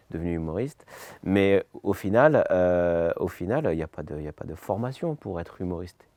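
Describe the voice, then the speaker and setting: A man with a very deep, low pitch and a dark, mellow tone, his loudness swinging widely. His intonation is lively, and the sound is dry and close with no echo. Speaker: comedian. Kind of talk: casual chat. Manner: fast.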